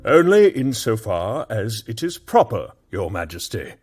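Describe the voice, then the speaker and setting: Male narrator playing a jittery courtier baron, deferential, husky voice. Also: fairly low pitch, big pitch swings, a little slow, darkish tone, soft background music, full character voice. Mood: pleading.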